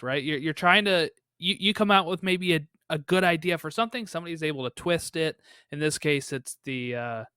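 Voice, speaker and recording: A man's voice: a little high, sharp tone, clean tone, dry recording, studio quality. A man co-hosting a podcast, chatting casually about a movie in a thoughtful, musing way with rhetorical questions. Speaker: podcast co-host. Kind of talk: casual film discussion.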